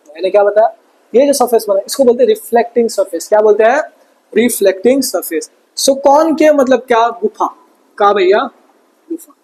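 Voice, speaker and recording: A man's voice: high-pitched, a little mellow, husky, rough recording. A male teacher with an Indian accent giving an exam revision lesson, cracking jokes and constantly asking his students questions. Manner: joking, calls himself bhaiya, keeps asking students questions.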